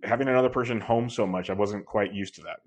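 A man in his thirties hosting a podcast, loud and carrying, talking earnestly and rambling with many restarts. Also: fairly low pitch, fast. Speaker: podcast host. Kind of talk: casual podcast chat.

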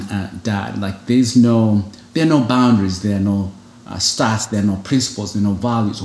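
A man's voice: lowish voice, darkish tone, echoey room. A man from Uganda, a single foster father, talking earnestly and reflectively as an interview guest, with many "you know" fillers. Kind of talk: casual interview conversation.

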